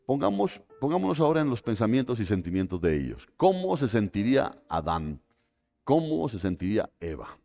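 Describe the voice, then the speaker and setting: Man, live church sermon, animated, folksy asides, very expressive pitch, faint music behind. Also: brisk, vocal fry. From Colombia. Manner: animated, acts out quoted voices, folksy asides. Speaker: preacher.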